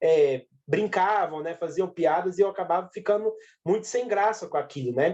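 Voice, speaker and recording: In a calm, dark, mellow tone, a man with a high pitch talks at a moderate pace with ordinary pitch variation. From Brazil, Minas Gerais (Uberlândia). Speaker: communication course instructor. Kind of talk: online lecture. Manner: varies tone, calm to emphatic.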